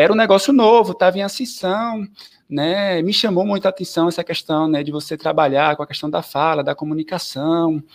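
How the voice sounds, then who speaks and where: A man, chatting as a guest in an interview, lively and full of filler tags. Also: fairly high pitch. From southern Bahia, Brazil. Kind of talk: casual interview chat.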